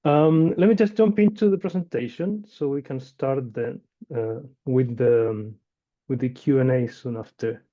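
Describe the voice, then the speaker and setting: Man from Chile presenting, dark lo-fi sound. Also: medium pitch, measured pace. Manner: conversational, with frequent fillers and restarts. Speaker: inventor and company founder presenting. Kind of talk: webinar presentation. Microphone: video call. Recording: dull lo-fi video call audio.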